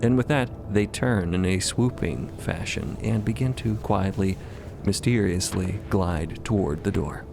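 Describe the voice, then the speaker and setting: A man narrating audio fiction in a wry, deliberate, semi-improvised storytelling manner. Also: sits low, vocal fry, music in the background.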